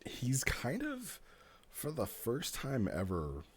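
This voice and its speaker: A man giving casual, explanatory commentary as a streamer, talking through a story in an animated way. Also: mid-range voice, slow, husky. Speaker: streamer reviewing roleplay stories.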